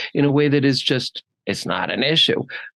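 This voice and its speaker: A plain, everyday voice from a man, fairly high in pitch, dry and close with no echo. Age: 60s. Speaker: podcast guest, author on relationships. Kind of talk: interview.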